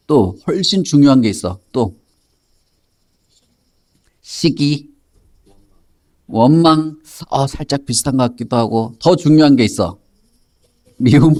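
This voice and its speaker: Male Sunday school teacher, mid-pitched, playful storyteller who quizzes kids. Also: darkish tone. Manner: storytelling, quizzing children by name; playful, joking. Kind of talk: Bible lesson for children.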